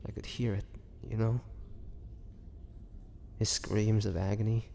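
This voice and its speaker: A man playing a weary, bitter young half-vampire prisoner in a dramatic audio roleplay, speaking haltingly and sorrowfully. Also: lowish voice, warm tone. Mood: haunted, pained. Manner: slow, halting, sorrowful delivery with sighs and pauses. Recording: long hall reverb, faint noise.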